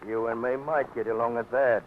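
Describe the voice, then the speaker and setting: A man playing a gruff street hood. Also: medium pitch, fairly even intonation, normal speed, natural voice. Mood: guarded. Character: tough, jumpy male street hood. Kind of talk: 1940s radio drama acting. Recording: noisy tinny old radio broadcast.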